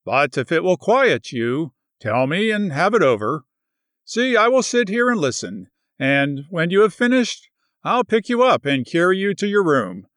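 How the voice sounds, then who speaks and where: A man doing a gentle, steady young husband. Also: high voice, a little slow, dry recording, clean studio sound, heavily acted. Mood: soothing. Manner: calm, reassuring.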